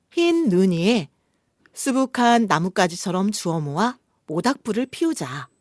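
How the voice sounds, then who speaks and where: A woman hosts a book and poetry program in a dry studio sound. Her mid-pitched voice moves in lively contours as she reads verse expressively and talks things over in a polite, reflective way. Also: no echo. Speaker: radio co-host. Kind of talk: scripted poem reading and relaxed book chat.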